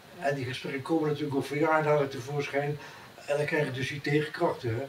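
A man is speaking. Light background noise and audible room echo surround his voice. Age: 70s. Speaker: homeopath. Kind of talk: casual interview. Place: home room. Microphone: camera far.

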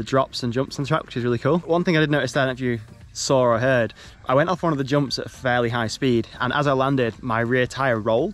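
Over faint background music, a man talks at a very fast pace with fairly even intonation, the sound dry with no echo. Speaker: mountain bike vlogger. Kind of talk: casual vlog chat. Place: open country. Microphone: phone near.

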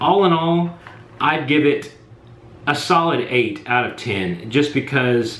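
Behind this man's speech, there is noticeable background noise. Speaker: product reviewer. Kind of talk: product review tutorial.

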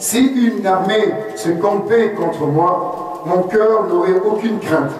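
Speaking at a very slow pace, a man uses a high pitch with ordinary variation, amid audible room echo and light background noise. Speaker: preacher. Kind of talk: scripture reading. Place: church.

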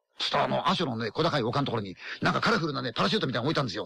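A man's voice with very wide pitch swings, dry sound with no echo. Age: 50s. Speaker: ghost story teller. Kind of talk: late-night radio talk show. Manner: chatty anecdotal storytelling. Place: studio.

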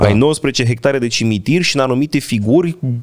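Over a quiet background, a man talks at a very fast pace with a fairly high pitch. His pitch variation is ordinary. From Romania, Călărași county; Romania. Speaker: cemetery historian and tour guide; podcast guest. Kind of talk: casual chat. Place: studio. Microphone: studio mic.

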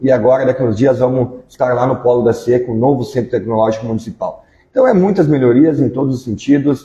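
With a dark, mellow tone and a somewhat breathy quality, a man talks at a fairly quick pace with hardly any pauses, amid audible room echo. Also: ordinary pitch variation. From southern Brazil. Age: 30s. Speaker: acting mayor. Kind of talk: interview. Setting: city hall. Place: office. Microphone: lapel.

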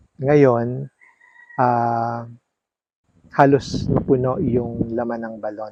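Here a man speaks in a monotone with flat intonation. His pitch is medium and his pace very slow. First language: Bikol (speaking Tagalog). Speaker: farmer vlogger. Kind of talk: vlog narration.

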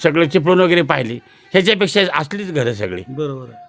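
A man's voice against noticeable background noise. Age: 70s. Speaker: kirtan performer. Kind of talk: interview.

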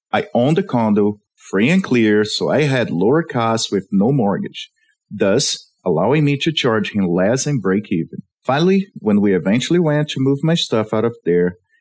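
A man talks at a medium pitch with a non-native accent. His pitch swings very widely. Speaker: YouTube narrator. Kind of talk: reading aloud.

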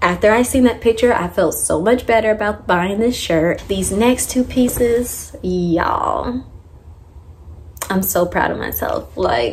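There is light background noise as a woman talks in a Southern US accent. Her pace is fairly slow and her tone upbeat. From Greenville, South Carolina. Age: 30s. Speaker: stay-at-home mom, thrift haul vlogger. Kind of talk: casual talk to camera. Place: home room. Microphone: phone near.

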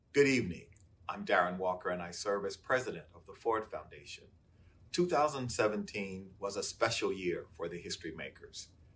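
A man talks at a moderate pace with big swings in loudness. Light background noise sits behind him. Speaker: foundation president hosting. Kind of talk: scripted introduction. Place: meeting room.

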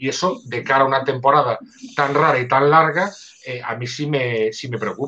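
In an ordinary speaking voice, a man talks at a fairly quick pace with ordinary pitch variation. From Lugo, Galicia; Galicia. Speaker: basketball analyst. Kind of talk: casual chat. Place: home room. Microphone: video call.

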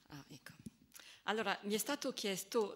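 A woman with a non-native accent, over a quiet background. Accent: non-native Italian. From France. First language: French (speaking Italian). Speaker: neuroscientist; guest scientist lecturer. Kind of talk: lecture. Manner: halting. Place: hall. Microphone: podium.

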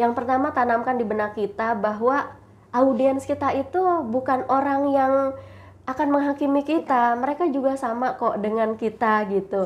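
A woman talks in a high pitch at a moderate pace. Her loudness is very even, with ordinary pitch variation. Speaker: voice-over talent and homemaker; public talk show guest. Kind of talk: casual interview chat. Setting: studio. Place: studio. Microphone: lapel.

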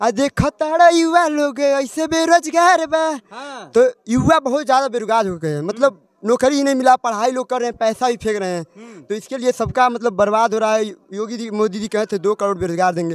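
A man speaks with an extremely high pitch and lively intonation at a moderate pace, with hardly any pauses. The sound is dry and close with no echo. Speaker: villager and small YouTuber. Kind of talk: vox pop interview.

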